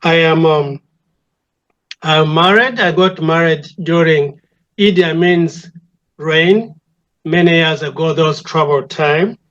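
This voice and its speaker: An older man with a Ugandan accent, a church elder speaking reflectively and deliberately as an interview guest, repeating phrases for emphasis. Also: a little high, fairly bright tone, dull audio. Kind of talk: reflective conversation.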